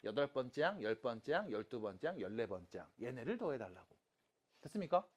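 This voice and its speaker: A math teacher lecturing high school students in a playful way, asking questions and answering them, with silly sound effects while writing. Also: sing-song, brisk, husky. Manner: talks students through writing on a board.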